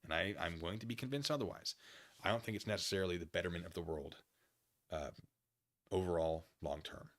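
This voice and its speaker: A livestream host with a fairly low voice and a bright, forceful edge muses casually through his opinions while answering chat comments. He speaks haltingly, often rephrasing and qualifying himself, punctuated by short emphatic phrases.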